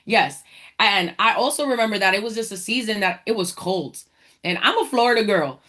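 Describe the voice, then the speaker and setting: A woman from the Dominican Republic hosts a motivational faith talk for entrepreneurs. She preaches with energy and calls her listeners y'all. Her voice sits at a middle pitch. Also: animated, brisk, a bit bright. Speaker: podcast host, entrepreneur.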